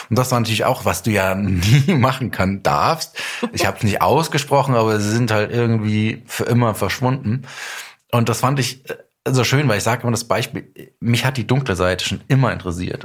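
Low-voiced middle-aged man in conversation. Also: slightly rough. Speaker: podcast guest, audio drama writer and director. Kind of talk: casual conversational interview, explaining and telling anecdotes.

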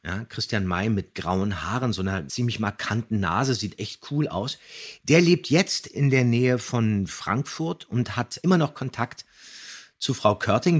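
A man's voice: lowish voice, breathy edge. A man co-hosting a podcast, giving detailed, appreciative commentary on radio plays in conversation. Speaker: podcast co-host.

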